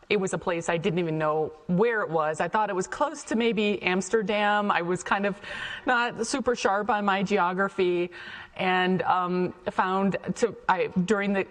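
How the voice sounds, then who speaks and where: A middle-aged woman with an American accent gives a chatty, informal talk about her own life to an audience. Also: fairly low pitch. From Ohio, United States. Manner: chatty, conversational. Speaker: guest speaker, chef and cafe founder. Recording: echoey hall, long reverb.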